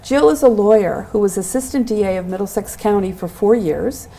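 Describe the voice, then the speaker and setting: Mellow-voiced woman hosting a local TV chat. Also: medium pitch, a little fast, creaky, a little hiss or hum, low-quality recording. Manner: gentle, encouraging questioner. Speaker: host. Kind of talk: local access TV interview.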